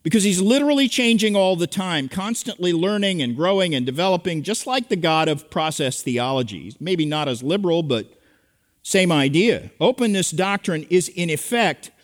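A man's voice: sits high, lively intonation, moderate pace. A man preaching an expository sermon to a congregation, earnest and emphatic as he teaches. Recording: echoey hall with long reverb.

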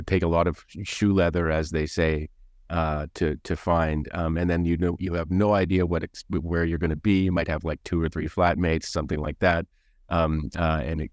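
A male podcast host with a very low voice asks questions in a halting way, restarting phrases and filling pauses. The recording is dry and close, without room echo. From English-speaking country. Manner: halting, many restarts and fillers. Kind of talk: casual interview chat.

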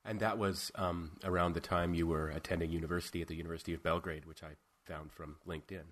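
A man hosting a podcast interview, asking questions in a measured way with frequent ums. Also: low-pitched, fairly even intonation, fairly bright tone. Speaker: podcast host.

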